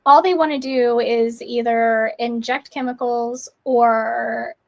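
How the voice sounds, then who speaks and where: A woman's voice: fairly high pitch, steady tone, slow, vocal fry. Emphatic, opinionated woman guest. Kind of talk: casual live-stream chat. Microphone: video call.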